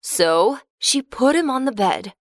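A woman narrating a fairy tale for children in a clear, expressive reading. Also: on the high side, slow pace, no room sound, studio quality.

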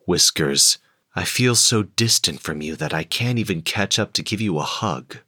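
A woman doing a deep gentle father mouse. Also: animated, husky, no echo, studio quality, exaggerated voice. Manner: gentle, slow and warm-hearted.

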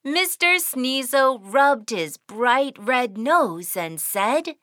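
A woman's voice: high-pitched, very animated, extremely slow, sharp tone, no room sound, studio quality. A woman narrating a children's cartoon in a sing-song, cheerful storytelling way.

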